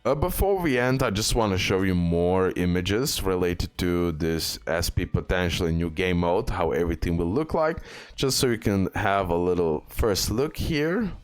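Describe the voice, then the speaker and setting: A man with a low-pitched voice talks through gaming news as a content creator would. His delivery is informal and halting, with frequent fillers and little check-in tags as he goes. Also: animated, clear, resonant tone, soft background music. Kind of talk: casual gaming news commentary over on-screen images.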